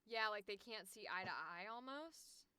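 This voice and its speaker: A woman hosting a voice acting livestream, chatting casually with animated, expressive reactions. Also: medium pitch, normal speed, smooth, no room sound. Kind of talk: casual collaborative livestream chat.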